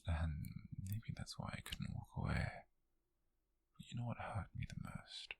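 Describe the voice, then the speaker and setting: Man acting a gravelly whispering British obsessive admirer. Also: low voice, lively intonation, exaggerated voice. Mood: confessional, longing. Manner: slow, intimate, brooding, with heavy pauses. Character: obsessive, possessive lovesick male co-worker turned captor. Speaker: ASMR roleplay performer. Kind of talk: whispered ASMR roleplay monologue. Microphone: close-up, dry microphone.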